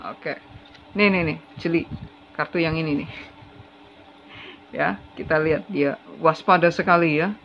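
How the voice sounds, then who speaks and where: A tarot reader talking casually through a reading, expressive and quick to laugh, slipping in English phrases. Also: medium pitch, a little hiss or hum. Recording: slightly muffled lo-fi recording.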